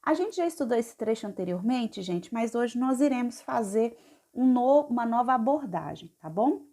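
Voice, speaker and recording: A woman's voice: a little high, animated, warm tone. A Brazilian woman teaching an adult literacy class, sounding out syllables letter by letter and often checking in with her students. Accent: Brazilian Portuguese. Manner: patient, spells letters slowly, checks in with "tá bom?".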